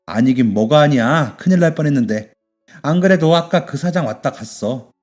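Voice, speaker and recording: A man's voice: a little high, lively intonation, moderate pace, darkish tone, faint music behind, lightly acted. A man voicing a blunt but kind middle-aged male shop owner who talks to his young worker like a father in a radio story. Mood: gruff caring.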